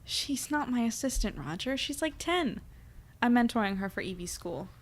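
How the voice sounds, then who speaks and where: A woman's voice: on the high side, expressive, moderate pace. Woman playing wry, anxious young newspaper editor. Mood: awkward, exasperated. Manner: wry, melodramatic, conversational. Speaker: narrator and lead character. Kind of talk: audio drama narration and dialogue.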